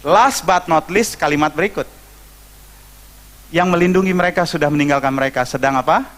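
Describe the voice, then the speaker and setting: A man's voice: a little high, a little fast, fairly bright tone. A man with an Indonesian accent preaching a sermon as pastor, telling stories and acting out the voices of the people in them. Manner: storytelling, acting out quoted voices, joking asides.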